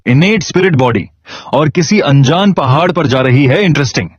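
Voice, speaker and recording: A man's voice: fairly high pitch, lively intonation, moderate pace, slightly rough, no room sound, lo-fi sound. Man doing a sly, smug old martial elder.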